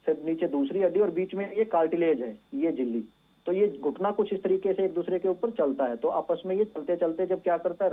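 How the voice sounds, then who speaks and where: The sound is narrow and phone-like, carrying a man's fairly high voice. He is a medical expert on a call-in show, explaining patiently and instructively. His speech is sprinkled with English medical terms. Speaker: doctor, physiotherapy expert guest. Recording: thin phone-like band-limited line.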